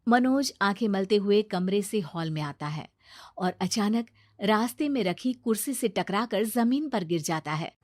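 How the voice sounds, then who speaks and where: A woman narrating a cartoon story in a steady, plain storytelling manner. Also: medium pitch, measured pace, no room sound, clean studio sound.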